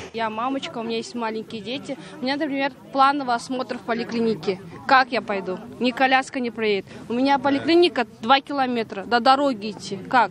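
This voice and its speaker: At a fairly quick pace, a woman speaks at a high pitch with ordinary pitch variation, in a dry sound with no echo and noticeable background noise. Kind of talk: interview answer. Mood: frustrated, complaining. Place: street. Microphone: handheld.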